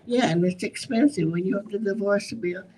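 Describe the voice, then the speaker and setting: A woman's voice: mid-range voice, normal speed, warm tone, slightly rough, low-quality recording. Casual, conversational Filipino-accented woman. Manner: conversational, often says "you know". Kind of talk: casual spontaneous remarks at a forum.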